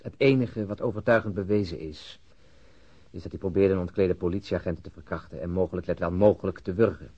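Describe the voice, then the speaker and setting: An actor playing a weary, outspoken and sardonic police detective in a radio drama, with a husky voice. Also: male voice, low voice, quick pace. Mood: insistent, argumentative. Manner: argumentative, sardonic. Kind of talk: Dutch-language radio play acting. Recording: dull, muffled lo-fi audio.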